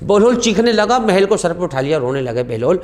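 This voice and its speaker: A high-pitched, sing-song man with a darkish tone speaks as a guest scholar on a religious talk show. His storytelling is passionate, with sharp rises on key phrases and slow recitation of Arabic quotations.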